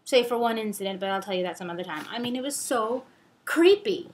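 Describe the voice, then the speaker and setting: A young adult woman telling a personal story in a casual, animated, rambling way, acting out the dialogue as she goes. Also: a little high, fairly quick, slight background noise.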